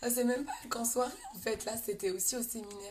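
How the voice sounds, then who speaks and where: A woman speaks at a fairly high pitch with ordinary pitch variation. Noticeable background noise sits behind her. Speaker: beauty vlogger and makeup seller. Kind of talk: casual live stream chat. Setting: live stream on tablet. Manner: not loud, cannot speak loudly; chatty, greeting viewers often.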